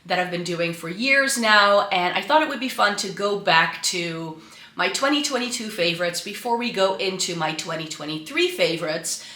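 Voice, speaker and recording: Woman vlogging, stuffy and a bit raspy from flu, bright tone, echoey room with the camera set back. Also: fairly low pitch, animated, moderate pace. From Netherlands. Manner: chatty, with frequent ums and restarts. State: congested and slightly raspy from flu. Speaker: beauty vlogger. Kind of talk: casual chat to camera. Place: home room by a Christmas tree. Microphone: camera mic, set some way off.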